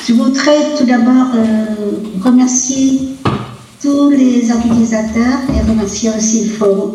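A woman in her eighties from Vietnam, giving a halting personal testimony at a colloquium. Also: fairly high pitch, fairly even intonation, dark tone. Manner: halting, with many hesitations and repeated words. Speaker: conference speaker. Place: lecture hall. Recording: roomy lecture hall, distant mic.

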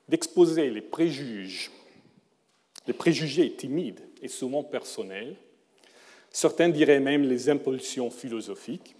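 A middle-aged man, speaking a language that is not his native one, gives a formal lecture in a mellow, rounded voice. He reads carefully and corrects himself now and then. The sound carries the long reverb of a large lecture hall. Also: medium pitch. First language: not French. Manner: careful, measured delivery with occasional self-corrections.

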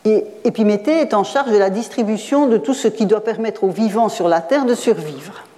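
A woman's voice: mid-range voice, normal speed, warm tone, big-room sound. A woman professor giving an academic lecture, explaining at length with fillers and self-corrections. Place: lecture hall.

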